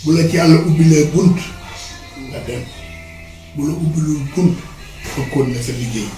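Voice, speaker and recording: A man's voice: on the high side, normal speed, warm tone. An older man with a Senegalese accent, a retired colonel giving advice in a conversational interview, emphatic and repeating words for stress. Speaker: retired colonel and wrestling elder. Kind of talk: conversational interview, mixing two languages. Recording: roomy, distant mic with music behind.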